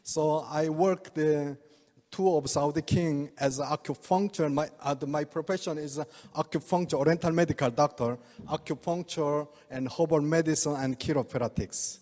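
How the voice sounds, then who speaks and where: An older man with a Korean accent, speaking halting non-native English to an audience and chuckling often. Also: on the high side, fairly even intonation, a little mellow. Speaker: speaker, oriental medical doctor. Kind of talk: presentation to a live audience. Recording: reverberant hall.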